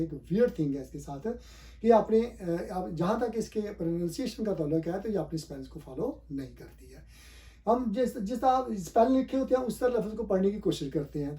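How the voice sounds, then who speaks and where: A man's voice: high voice, warm tone. A man with an Urdu-speaking South Asian accent teaching English pronunciation in a classroom style, repeating and stressing the correct forms and spelling words out letter by letter.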